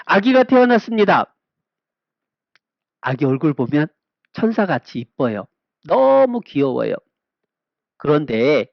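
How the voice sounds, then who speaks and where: Man, children's Bible teacher, high voice, dry dull lo-fi sound, quizzing kids with questions. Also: dry recording. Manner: asks children rhetorical questions with a repeated refrain. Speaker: Sunday school teacher.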